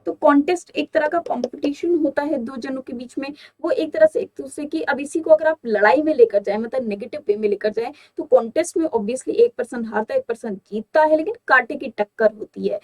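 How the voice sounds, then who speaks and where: A high-pitched woman teaches exam vocabulary. She explains each word step by step and poses her own questions before answering them. She drawls the example sentences slowly and deliberately. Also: darkish tone, poor audio. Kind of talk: exam-prep vocabulary lesson.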